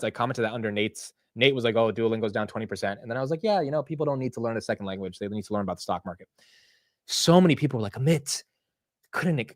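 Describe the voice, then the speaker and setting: Animated, ranting American man, dry sound. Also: medium pitch, dry recording. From United States. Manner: animated, ranting, profane and self-mocking. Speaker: livestream market show host. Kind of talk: casual livestream chat.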